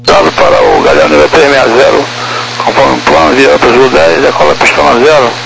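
A man's voice: mid-range voice, lively intonation, a little fast, gravelly, a bit bright. A man with a Brazilian accent speaking as an airline pilot to air traffic control over a walkie-talkie style radio. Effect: walkie-talkie style aviation radio. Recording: noisy two-way radio transmission.

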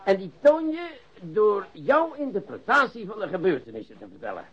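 Sarcastic, high-voiced police interrogator. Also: male voice, big pitch swings, husky, full character voice. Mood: stern, condescending. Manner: mock-courteous, theatrical, drawn-out emphasis. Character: sarcastic, falsely polite male police interrogator, relentless. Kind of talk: radio play acting. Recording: dull lo-fi radio recording.

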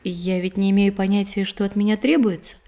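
A woman's voice: medium pitch, steady tone, brisk, mellow, close to an everyday voice. An actress playing a plucky, penniless but educated young woman in an audio drama. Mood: polite, cautious. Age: young adult. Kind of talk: theatrical audio drama acting.

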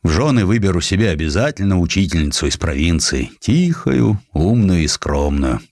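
A man voicing a brisk, self-assured nineteenth-century general in an audiobook, commanding and emphatic. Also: low voice, big pitch swings, darkish tone, no room sound, studio quality, full character voice. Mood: musing. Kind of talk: audiobook character acting.

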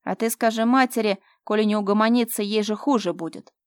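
A woman voicing a cruel, domineering young man who shouts threats. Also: fairly low pitch, fast talker, no room sound, clean studio sound, close to an everyday voice. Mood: menacing.

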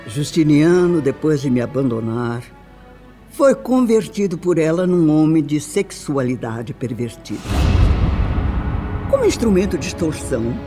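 An actress playing a wronged, bitter woman recounting her past life in a radio soap opera, with emphatic delivery and dramatic pauses. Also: low voice, animated, over music. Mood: indignant, accusing.

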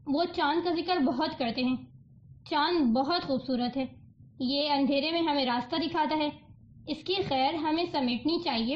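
A woman voicing a calm young man who explains things gently, in a storybook reading. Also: high voice, roomy sound, close to an everyday voice. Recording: dull lo-fi audiobook recording.

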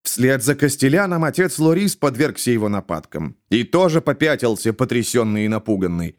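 A male narrator reads a fantasy novel aloud. His voice is of medium pitch, and he tells the story with lively, varied intonation. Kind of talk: audiobook narration.

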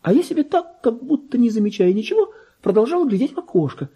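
A man's voice: very high voice, very animated, warm tone, slightly rough, voice pushed up, heavily acted. A man voicing a gossipy, affected little female pet dog in a theatrical, chatty reading of a classic story. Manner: chatty, mannered, exclamatory, drawn-out emphasis.

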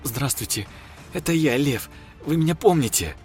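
A man voicing a desperate young man who pleads and shouts in grief, pitched above his own voice. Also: animated, normal speed, soft background music, natural voice. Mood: urgent.

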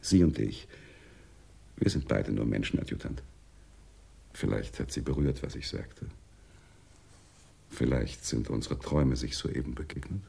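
An actor playing a polite, evasive Arab businessman in a radio drama, speaking in a measured, musing, formal way. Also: very deep voice, lively intonation, gravelly, dark tone, slightly rough, full character voice. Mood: musing, philosophical.

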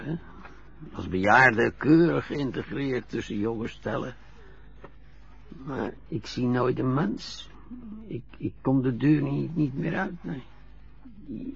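A frail, lonely old widower in a radio drama, speaking slowly with a gravelly, low voice. He halts and stammers between phrases. The recording sounds dull and lo-fi. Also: heavily acted. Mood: wistful. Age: older. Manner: slow, halting, stammering.

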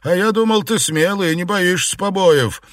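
A man's voice: sits high, moderate pace, fairly bright tone, no room sound, pitched above the performer's own voice. A man reading aloud and voicing a proud young swordsman who speaks with cold, sneering commands. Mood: scornful.

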